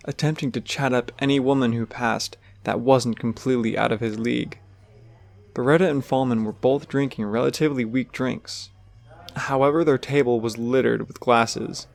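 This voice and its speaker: Gravelly man narrating a story. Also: medium pitch, fairly even intonation, normal speed.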